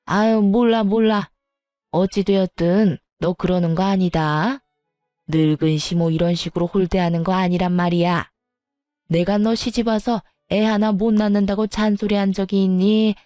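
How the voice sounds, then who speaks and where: A woman's voice: mid-range voice, fairly even intonation, dark tone, no room sound, faint music behind, close to an everyday voice. A woman doing a grumpy, scolding old mother-in-law. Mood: grumbling, scolding. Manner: scolding, grumbling, drawn-out complaints. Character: grumpy elderly mother-in-law, sharp-tongued.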